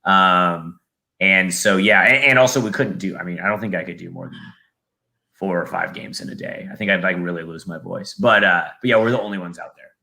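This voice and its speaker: Young SoCal guy, podcast guest, low and bright voice, rambling, loose and casual. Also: a little fast, creaky. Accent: Southern California. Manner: rambling, full of fillers and restarts. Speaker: football play-by-play announcer and podcast guest.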